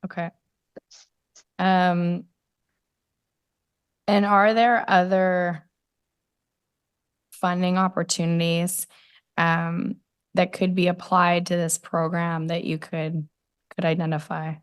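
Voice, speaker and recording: Woman, councillor, hoarse from laryngitis, low-ish, monotone, hesitant questions. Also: slow pace, long pauses, dry recording, clean studio sound. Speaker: city councillor. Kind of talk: committee meeting questions.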